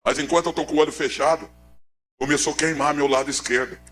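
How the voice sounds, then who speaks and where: A Pernambucan man preaching his own testimony, his voice a touch high for a man. He swings from quiet, low passages to shouted peaks, with faint music under him. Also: fairly even intonation, fast. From Pernambuco, Brazil. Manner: dramatic, swings from hushed to shouting. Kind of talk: emotional church testimony.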